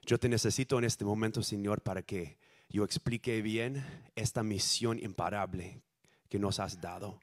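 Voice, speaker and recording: A man from the United States, a native English speaker, preaching a sermon in halting, self-correcting Spanish with lively storytelling. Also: on the low side. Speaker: guest preacher.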